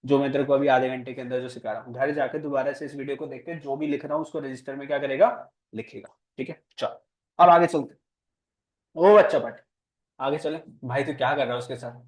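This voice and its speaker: A man's voice: mid-range voice, steady tone, fairly quick, darkish tone. A man teaching commerce in a classroom, playful and teasing, quizzing his students with speech. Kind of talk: classroom lecture.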